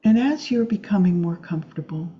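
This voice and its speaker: A woman meditation teacher guiding a Yoga Nidra practice in a gentle, soothing, unhurried way with long pauses. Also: on the low side, animated, lo-fi sound.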